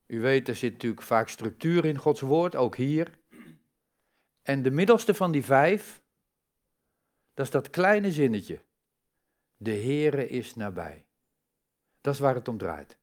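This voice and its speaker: A man's voice: medium pitch, lively intonation, slow pace, pauses often. A man giving a sermon in a conversational way, asking the congregation rhetorical questions and stressing key words. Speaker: preacher.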